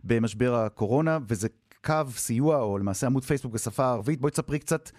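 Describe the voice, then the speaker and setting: A man's voice: mid-range voice, a little mellow, no room sound, clean studio sound. A man hosting a radio news program, asking probing questions and linking to reporters with frequent hesitations. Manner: probing, many hesitation fillers. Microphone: studio microphone.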